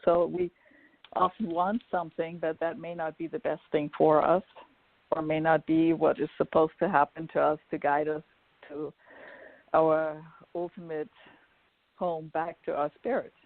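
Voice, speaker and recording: A woman from Germany, a guest on an online talk show, telling her story in a thoughtful, unhurried way. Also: sits low, level tone, dry recording. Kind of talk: casual interview talk. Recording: dry, phone-like call audio.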